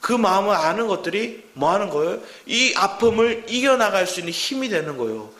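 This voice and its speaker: Male pastor, lively and fairly high voice, preaching with a roomy church echo. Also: fairly quick. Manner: animated preaching, acting out quoted voices. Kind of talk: sermon. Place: church sanctuary. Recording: echoey church hall.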